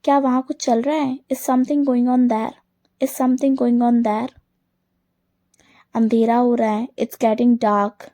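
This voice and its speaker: A woman teaching English phrases, saying each one quickly and then slowly repeating it twice. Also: fairly high pitch, flat delivery, mellow. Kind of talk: slow phrase drill lesson.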